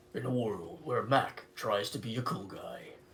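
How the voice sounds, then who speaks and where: Using a put-on character voice at a medium pitch, a man speaks at a moderate pace against clear background noise. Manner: dramatic, announcer-like.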